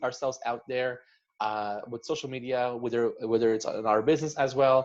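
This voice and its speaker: Against a quiet background, a man speaks at a moderate pace in a medium pitch with monotone, flat intonation. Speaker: podcast host. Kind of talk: casual interview questions.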